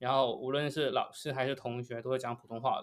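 A man at a medium pitch, an unremarkable speaking voice with fairly even intonation, on a very clean recording with a silent background. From Guangdong, China. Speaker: podcast guest, tech helper. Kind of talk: casual chat.

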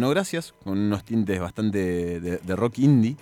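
In a Rioplatense accent, a man speaks at a moderate pace. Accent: Argentine Rioplatense Spanish. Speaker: radio host. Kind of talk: casual chat. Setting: studio.

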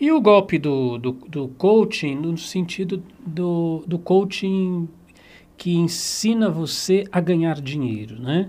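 Here a man with a high pitch speaks in a dark, mellow tone. His intonation is lively, though his pace is very slow. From interior of São Paulo state, Brazil (Marília). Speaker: podcaster and mentor. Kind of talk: solo podcast monologue. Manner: hesitant, with frequent repetitions.

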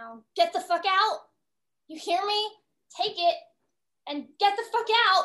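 With an extremely high pitch and very wide pitch swings, a woman speaks at a fairly slow pace in a bright, sharp tone, with big swings in loudness and long, frequent pauses. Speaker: actor reading a monologue. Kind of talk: dramatic monologue, profane and gritty.

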